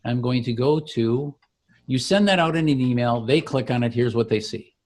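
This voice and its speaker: A man giving an informal software demo as a company founder, explaining each click like a salesman. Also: medium pitch, normal speed. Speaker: company founder demonstrating his product.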